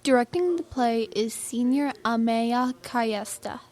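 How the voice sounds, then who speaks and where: A woman's voice: on the high side, measured pace, darkish tone. A teenage girl working as a student reporter, delivering a scripted, upbeat news stand-up. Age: teens.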